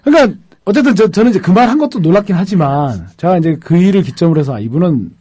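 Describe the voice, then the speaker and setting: A man, a defense lawyer, telling a case story in a lively panel talk and acting out the people he quotes. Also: high-pitched, fast talker.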